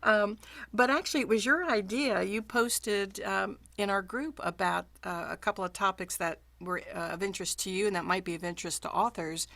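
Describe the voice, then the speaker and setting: A woman's voice: mid-range voice, fairly even intonation, normal speed, gravelly, sharp tone. A woman audiobook narrator hosting a casual video call chat, talking with plenty of ums and friendly encouragement.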